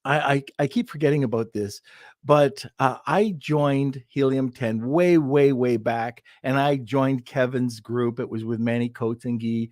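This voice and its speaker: A man's voice: mid-range voice, unhurried, darkish tone, no echo, studio quality. A man hosting a live podcast over a video call, chatting casually, rambling and laughing at himself. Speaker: podcast host. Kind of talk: casual live-stream chat.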